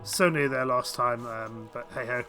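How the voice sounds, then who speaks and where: A man with a cold and a croaky voice, giving casual, hesitant commentary while playing a strategy game. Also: mid-range voice, normal speed, music in the background. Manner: hesitant, full of ums and restarts. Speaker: game streamer.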